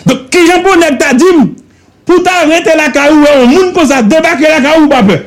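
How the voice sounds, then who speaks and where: High-voiced Haitian man, emphatic commentary. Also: brisk. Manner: emphatic, repetitive, rhetorical questions. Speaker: political commentator. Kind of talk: impassioned political commentary. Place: radio studio.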